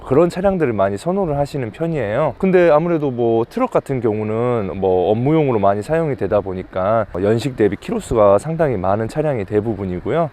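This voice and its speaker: A mid-range, mellow male voice belongs to a used car dealer explaining a truck-buying guide to viewers. The talk is an informal explainer delivered in courteous, formal sales patter, recorded with faint background noise.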